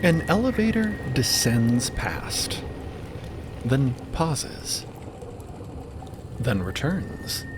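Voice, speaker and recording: A man's voice: mid-range voice, big pitch swings, very slow, long pauses, background noise. A man narrating an audio drama in a dramatic scripted storytelling style.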